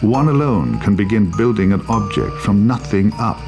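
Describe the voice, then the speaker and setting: Over clear music, a solemn narrator explains future technology in a gravelly, lowish voice. The phrasing is deliberate and emphatic, scripted for a game cutscene. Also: male voice, animated. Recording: clear music bed behind voice.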